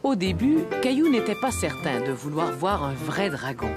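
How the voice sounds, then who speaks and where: A woman's voice: deep voice, big pitch swings, moderate pace, over loud music. A woman performing as a kindly storybook narrator for a French children's cartoon. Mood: storytelling.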